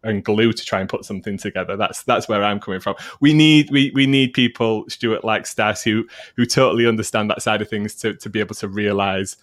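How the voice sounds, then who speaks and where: A northern English man with a broad Yorkshire accent tinged with Mancunian hosts a talk show, interviewing guests in a chatty, informal style. His voice is fairly low, and he talks fairly quickly with few pauses.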